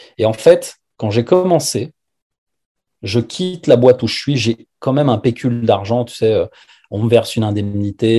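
Somewhat breathy, a man speaks at a moderate pace and medium pitch in a dark, mellow tone. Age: 40s. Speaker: life coach and speaker. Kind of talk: casual interview.

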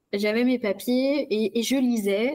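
At a fairly slow pace, a woman speaks in an unremarkable speaking voice, fairly high in pitch with ordinary pitch variation. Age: 30s. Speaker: real estate sales manager. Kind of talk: interview.

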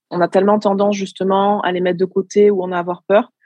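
At a fairly quick pace, a woman speaks in a dark, mellow tone with monotone, flat intonation, the sound dry and close with no echo. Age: 30s. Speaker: emotional intelligence coach. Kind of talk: interview conversation.

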